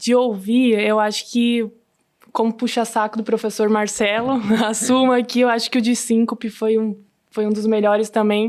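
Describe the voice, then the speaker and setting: With a southern Brazilian accent, a woman speaks at fairly high pitch and a moderate pace, in monotone, flat intonation and very even loudness. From Santa Catarina, southern Brazil. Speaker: cardiologist and podcast co-host. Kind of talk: casual chat. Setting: studio.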